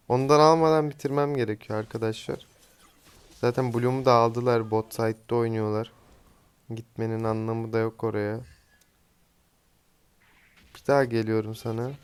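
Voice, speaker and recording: A man's voice: mid-range voice, level tone, normal speed, pauses often, smooth. A young man giving casual commentary while he plays a mobile game, chatty and teasing, swearing lightly at teammates. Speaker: gaming streamer. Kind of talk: casual live gameplay commentary.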